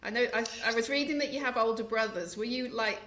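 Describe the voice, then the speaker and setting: A woman's voice: fairly high pitch, fast talker, a bit bright, reverberant. A woman co-hosting a podcast, asking questions in a conversational way with small restarts. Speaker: podcast co-host. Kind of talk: interview questions.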